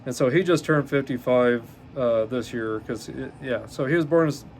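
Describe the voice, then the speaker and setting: A man in his fifties hosting a solo podcast, reading from notes in a halting way with many ums and uhs and frequent self-corrections. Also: mid-range voice, slight background noise. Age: 50s. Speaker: podcast host.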